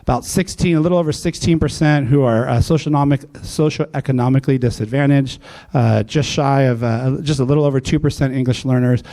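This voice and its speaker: A man's voice: mid-range voice, fairly quick, warm tone. A man, a school district leader, giving a speech into a mic at a live event, full of fillers and restarts. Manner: hesitant with many fillers and restarts. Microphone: handheld or podium mic.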